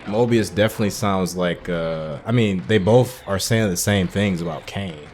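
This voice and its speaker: A man's voice: deep voice, normal speed, a little mellow, a little hiss or hum. A man hosting a gaming video, giving casual playthrough commentary in a musing, conversational way.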